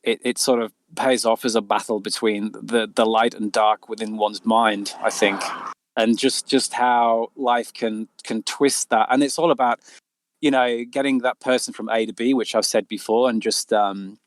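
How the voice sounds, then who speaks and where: A man speaks as a guest author in a casual interview. His voice sits fairly low, and the sound is dry and close, without room echo. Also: steady tone, moderate pace. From Australia. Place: quiet spot by the water.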